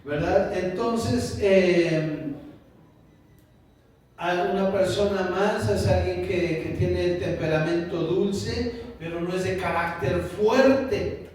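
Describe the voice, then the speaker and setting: A pastor preaches in a fairly high voice and at an unhurried pace, and he keeps turning to the congregation with questions. His voice carries from some distance across a very echoey church hall. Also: darkish tone, a little hiss or hum. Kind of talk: sermon.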